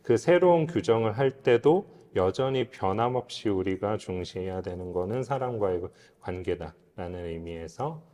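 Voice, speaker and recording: A man with a fairly low, mellow voice speaks animatedly at normal speed, barely pausing. As a guest expert in an interview, he explains philosophy in an earnest, reflective manner much like a lecture. The room is reverberant, like a hall.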